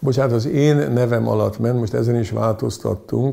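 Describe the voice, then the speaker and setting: Fairly quick speech from a man, noticeable background noise around it. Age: 60s. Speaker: veterinarian and mayor. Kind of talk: interview. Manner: halting.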